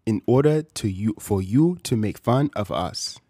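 A man's voice: fairly low pitch, expressive, a little slow, warm tone, breathy edge, no room sound, clean studio sound, full character voice. A man voicing an offended male foreign fan who scolds in stilted phrases. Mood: scolding.

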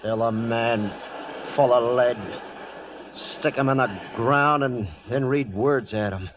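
Embittered, blunt male trail hand played by a man, mid-pitched, dull old radio western recording. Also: slow, background noise, natural voice. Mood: bitter. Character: bitter, outspoken cowhand critical of his boss. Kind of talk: 1940s radio western acting.

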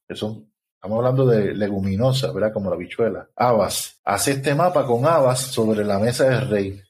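A man's voice: mid-range voice, darkish tone. A man, speaking as a guest researcher in an informal podcast, explaining things didactically with rhetorical check-ins.

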